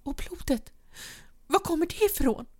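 Lady reading as a screechy hysterical young woman, way higher and louder than the narration, yelling from back off the mic. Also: lively intonation. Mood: frantic shouting. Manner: shrill, shouting, near tears. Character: frantic young woman pleading with her partner.

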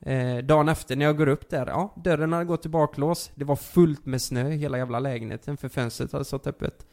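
A young man casually telling a story on a podcast, animated, with many fillers and curses. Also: mid-range voice.

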